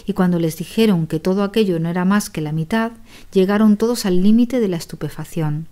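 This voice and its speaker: A woman reading a storybook aloud as an audiobook narrator, in a measured, dramatic way. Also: on the low side, mellow.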